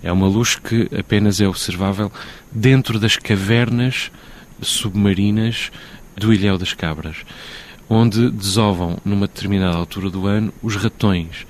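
A man's voice: on the low side, steady tone, normal speed, slight background noise. A man from the Azores, a writer speaking thoughtfully in an interview, with some hesitations. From Terceira, Azores. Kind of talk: reflective interview talk. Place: shop and street in town.

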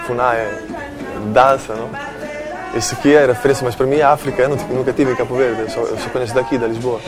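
Halting man, medium pitch. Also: steady tone. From Italy. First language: Italian. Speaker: musician interviewee. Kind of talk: casual interview talk. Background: music.

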